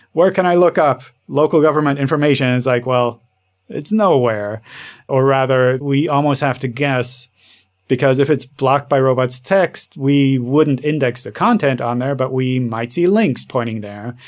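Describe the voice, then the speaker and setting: Casual male podcast host, musing and conversational. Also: medium pitch.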